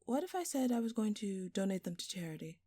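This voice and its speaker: In an intimate scripted audio roleplay, a woman plays a smug, flirtatious jewel thief, teasing and theatrical with playful sarcasm and an air of feigned innocence. Her medium-pitched, mellow voice is very animated and fast, with no echo.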